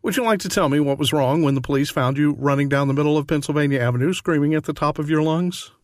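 An actor playing a calm, patient psychiatrist speaking in a soothing, measured, clinical way in a comic radio play. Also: male voice, a little high, dry recording, studio quality, natural voice.

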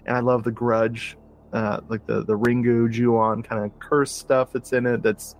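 A man's voice: medium pitch, level tone, unhurried, a little hiss or hum. A man co-hosting a podcast in casual chat about movies, talking enthusiastically with frequent restarts and fillers. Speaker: podcast co-host.

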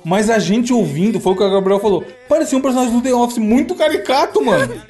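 A man hosts a casual podcast chat and tells the story with lots of slang and swearing. He breaks into laughter easily. His voice sits high, with faint music underneath. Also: fast. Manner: animated storyteller, slangy and profane, laughs often. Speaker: podcast host.

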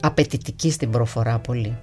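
Low-voiced woman with a slight tremble. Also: faint music behind. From grew up in Russia. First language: Russian. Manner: reflective, unhurried, often trailing off with soft fillers. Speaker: guest singer. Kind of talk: relaxed interview conversation.

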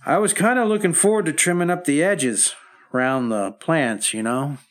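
An actor playing a middle-aged husband with a bad heart, sighing and strained, in an old time radio drama. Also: male voice, on the high side, moderate pace, close to an everyday voice. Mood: wistful.

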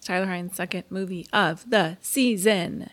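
A woman co-hosting a casual podcast, speaking in a calm, measured way and laying out figures matter-of-factly. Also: fairly low pitch. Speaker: podcast co-host. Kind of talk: casual chat.

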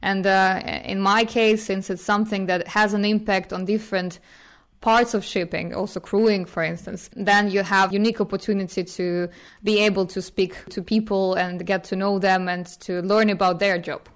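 A woman whose first languages are Ukrainian and Russian answers interview questions. She talks in a smooth, clear voice at a middle pitch. She pauses often with fillers and laughs softly. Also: little pitch movement. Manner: thoughtful, hesitant, with frequent fillers and soft laughs. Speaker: guest.

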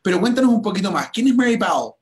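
A man's voice: high-pitched, animated, very fast. A man hosting an enthusiastic promotional interview, talking with frequent restarts and repeated words. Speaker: host. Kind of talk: livestream interview chat.

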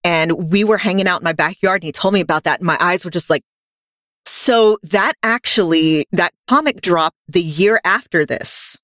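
A woman co-hosting a podcast in casual chat, chatty and full of quick asides. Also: lowish voice, fairly bright tone, dry recording, studio quality. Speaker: podcast co-host.

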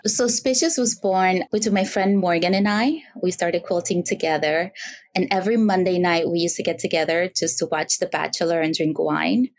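Guesting on a podcast, a Dominican woman in her thirties who quilts and teaches tells relaxed stories in a casual interview chat, with fillers and light laughs along the way. She has a lowish voice and speaks at a moderate pace.

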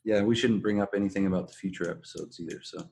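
A man's voice: fairly low pitch, fairly even intonation, quick pace, gravelly, a little mellow. A man talking casually as a podcast host, analysing and explaining an episode in a recap style.

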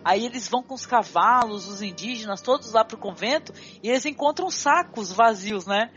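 A woman's voice: on the high side, moderate pace. A woman talks about a film in a casual podcast, eager and slangy as she retells its scenes. Her sound is a little dull, with faint music under it. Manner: excited, retelling scenes with acted quotes, slangy. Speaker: podcast co-host.

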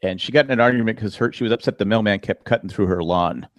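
A man's voice: lowish voice, fast, no room sound. A man co-hosting a casual podcast chat, telling stories and acting out customers' lines in raised voices. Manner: animated storyteller, acts out customers in raised voices. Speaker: podcast co-host.

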